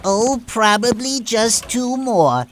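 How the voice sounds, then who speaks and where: An actor playing a scheming male crime boss in an audio drama, with a deliberate, theatrical delivery. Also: very high-pitched, expressive, background noise, heavily acted. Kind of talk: amateur audio drama acting. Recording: music under the voice.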